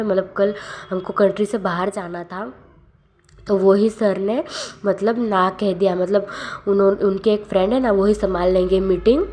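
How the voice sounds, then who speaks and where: A woman's voice: medium pitch, mellow. Rambling young woman retelling a story. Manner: rambling, fills with "matlab", corrects herself often. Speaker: fan fiction storyteller. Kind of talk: casual spoken storytelling.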